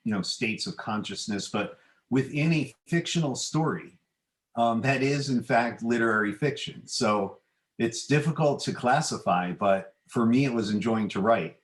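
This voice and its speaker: A middle-aged man, an author and podcast guest, answering in a hesitant, measured, modest way, with a roomy, echoing sound. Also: medium pitch. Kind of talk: conversational interview answers.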